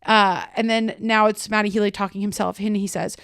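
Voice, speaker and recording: A woman's voice: medium pitch, fairly even intonation, fairly quick, gravelly, fairly bright tone, smooth, no room sound, clean studio sound. A woman hosting a casual solo podcast, chatty and loose, talking through song lyrics line by line with lots of "like" and "kinda". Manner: full of filler words like "like" and "kinda". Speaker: podcast host.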